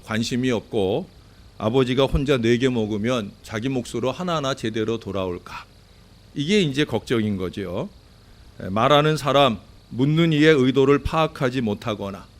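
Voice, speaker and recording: A middle-aged man preaching a Sunday sermon as pastor, earnest and building to emphatic peaks. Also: medium pitch. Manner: earnest preaching that swells to emphatic peaks, with shouted acted quotes.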